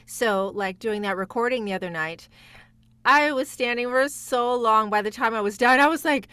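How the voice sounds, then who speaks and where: A woman's voice: on the high side, moderate pace, pushed and bright, clear, resonant tone, no room sound. A woman speaking as a guest voice actor in a casual interview, enthusiastic and reflective.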